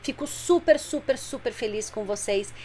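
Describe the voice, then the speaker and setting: Higher-pitched woman coaching mothers. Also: animated, normal speed, darkish tone, slight background noise. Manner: explanatory, plain-spoken, addresses viewers directly. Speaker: parenting coach. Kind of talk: live stream talk to mothers.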